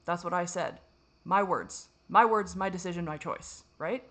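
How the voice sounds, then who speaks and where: A woman's voice: on the low side, normal speed, fairly bright tone. Rambling, self-critical woman vlogger. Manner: rambling, self-critical, profane, frequent restarts. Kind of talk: confessional monologue to camera.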